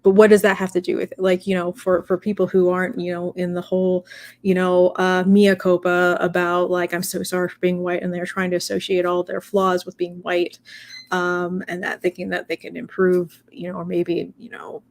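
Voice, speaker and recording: Young woman, lowish flat voice, loose chatty discussion style. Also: moderate pace. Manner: rambling, many fillers and restarts. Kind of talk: casual discussion.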